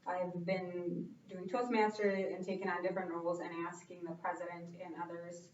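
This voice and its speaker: A woman club member answering interview questions in short, halting phrases. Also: on the low side, little pitch movement, a little mellow, a little hiss or hum. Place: club meeting room. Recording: roomy, distant, dull sound.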